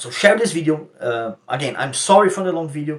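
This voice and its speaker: A man speaks with a Brazilian accent. His pitch is fairly high and his intonation lively. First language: Portuguese. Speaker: political commentator youtuber. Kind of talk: monologue commentary. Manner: halting, frequent fillers and repetitions.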